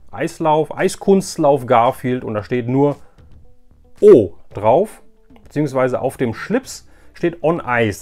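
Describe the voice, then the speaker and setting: A man's voice: medium pitch, a little mellow. A man talking casually and informally to his viewers as the host of a haul vlog, chatty and direct. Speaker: YouTube host, flea market collector.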